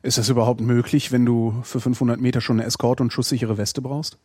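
Interviewer, male, rapid and mellow, dry close sound, probing. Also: mid-range voice, level tone, husky, dry recording. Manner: probing, quick questions. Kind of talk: casual interview.

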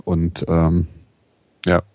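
Man, forties, very deep voice, gravelly, hesitant casual chat. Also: monotone, darkish tone, a little hiss or hum. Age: 40s. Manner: hesitant, halting with many fillers. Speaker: podcast co-host.

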